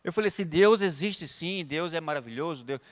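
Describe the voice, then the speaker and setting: A Brazilian man preaching a sermon with a Brazilian Portuguese accent, telling stories and swinging from loud emphatic peaks to quiet asides. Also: fairly high pitch, fairly quick. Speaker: pastor. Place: large church sanctuary. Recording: reverberant church hall.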